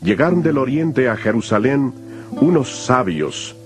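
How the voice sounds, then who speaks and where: A man narrating scripture from a script in a solemn, measured storytelling manner. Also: medium pitch, sing-song, music in the background. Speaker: Bible narrator.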